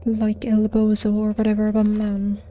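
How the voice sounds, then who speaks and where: A woman's voice: medium pitch, completely flat delivery, a little slow, warm tone, faint music behind. A woman streamer chatting casually over her gameplay, laid-back and self-deprecating, her voice strained and fading. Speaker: streamer playing a game.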